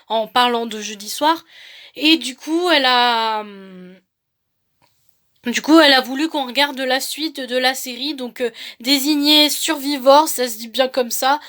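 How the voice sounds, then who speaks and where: High-voiced young woman vlogging. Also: fairly bright tone. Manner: rambling, repetitive, hesitant phrasing. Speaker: book vlogger. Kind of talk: casual vlog monologue.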